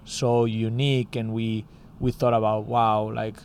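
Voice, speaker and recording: A man's voice: on the low side, level tone, a little slow, darkish tone, a little hiss or hum. A man from Spain with a Spanish accent, chatting casually as a music school co-founder and filling his talk with "like" and "you know". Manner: rambling, heavy use of "like" and "you know". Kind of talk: casual interview chat.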